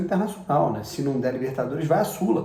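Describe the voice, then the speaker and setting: Fairly high-pitched man with a Rio de Janeiro accent and lively intonation, amid audible room echo and noticeable background noise. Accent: carioca. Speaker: football YouTuber, former sports journalist. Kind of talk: casual vlog commentary. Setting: home recording late at night. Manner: informal, hesitant with fillers.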